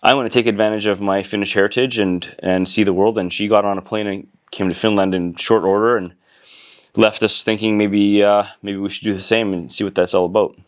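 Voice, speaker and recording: A Canadian man in his forties speaking as an interview guest, telling his story in a relaxed, thoughtful way with frequent fillers and restarts. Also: fairly low pitch, fairly quick. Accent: Canadian English. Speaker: guest entrepreneur. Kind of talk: casual interview conversation.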